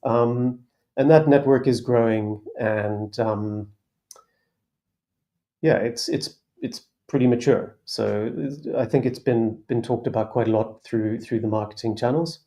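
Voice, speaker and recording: A man speaking as a guest on a panel, explaining his company's work in a relaxed way, pausing often with fillers and restarts. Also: mid-range voice. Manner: relaxed, hesitant with many fillers. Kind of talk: casual panel discussion.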